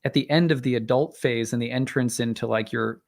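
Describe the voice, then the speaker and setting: A man in his thirties or forties hosting an astrology livestream. He talks casually and rambles, with many fillers and restarts, and clears his throat now and then because his voice is strained and tiring. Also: medium pitch, brisk. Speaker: astrologer, live stream host. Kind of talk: casual livestream talk and chart reading.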